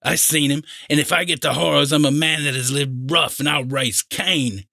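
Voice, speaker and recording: A man voicing a feeble old seafaring pirate in an audiobook, pleading and agitated in rough sailor's dialect. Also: on the high side, fairly even intonation, normal speed, sharp tone, dry recording, studio quality, pitched above the performer's own voice. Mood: desperate, pleading. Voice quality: weak voice. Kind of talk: audiobook character acting.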